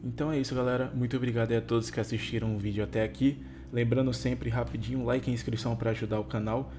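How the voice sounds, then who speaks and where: A fast-talking male YouTube narrator speaks Brazilian Portuguese in a mid-range, slightly mellow voice with fairly even intonation. He does scripted narration and then a casual sign-off to viewers as music plays behind him. A tongue-tie makes some consonants, such as R, S, T and L, hard for him to get out.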